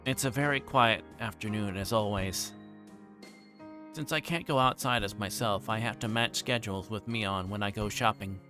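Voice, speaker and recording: A man's voice: on the low side, moderate pace, pushed and bright, soft background music. A man livestreaming a visual novel, reading the narration aloud with casual asides and occasionally stumbling over and repeating lines.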